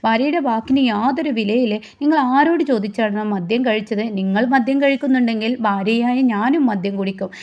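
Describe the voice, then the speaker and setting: A woman voicing a defiant young wife who shouts loud scolding questions at her husband, with a gravelly voice on a dull lo-fi recording. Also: a little high, brisk, few pauses, lightly acted.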